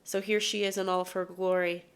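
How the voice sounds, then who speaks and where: A woman's voice: lowish voice, flat delivery, a little fast. Young woman host, nasal from allergies, jokey and opinionated, casual review chat. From Chicago, USA. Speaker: podcast host reviewing cartoon episodes.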